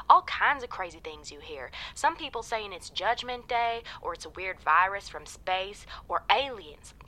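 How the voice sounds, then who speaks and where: A woman's voice: mid-range voice, pushed and bright. A woman playing a hospital worker calling a radio show, telling her story in a folksy, breathless way.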